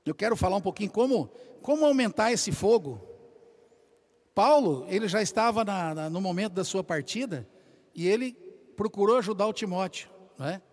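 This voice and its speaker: A man preaching a sermon, telling lively stories and calling out to the congregation as brothers. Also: sits high, normal speed. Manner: animated storytelling, addresses congregation as brothers.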